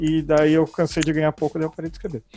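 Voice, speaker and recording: The man speaking has a high-pitched voice. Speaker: podcast host. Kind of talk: scripted intro; casual chat. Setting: live stream.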